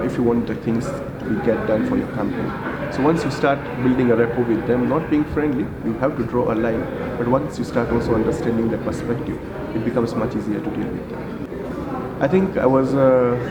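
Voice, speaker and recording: A man from India, in his forties, answering interview questions as a hotel group general manager, halting with many fillers and restarts. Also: lowish voice. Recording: echoey room with loud ambience.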